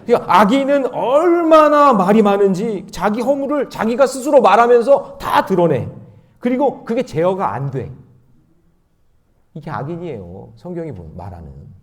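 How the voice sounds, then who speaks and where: A male pastor preaching at a dawn prayer meeting. He is animated, swinging from loud emphasis to quiet asides, and leads the congregation in reading scripture aloud. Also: sits high, moderate pace.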